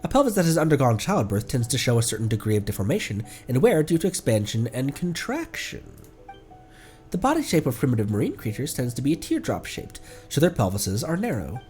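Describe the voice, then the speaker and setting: A man voicing an earnest, pedantic academic who lectures in a halting way. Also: medium pitch, big pitch swings, darkish tone, faint music behind, lightly acted. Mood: earnest, lecturing. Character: earnest, pedantic young academic of marine bones.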